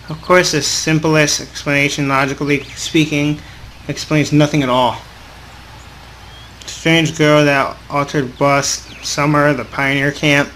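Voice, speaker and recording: A man with a slightly high voice plays host on a gaming video, reading visual novel text aloud. His delivery is informal and a bit halting, breaking off for casual remarks of his own. There is noise behind the voice. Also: a bit bright. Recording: clearly audible background noise.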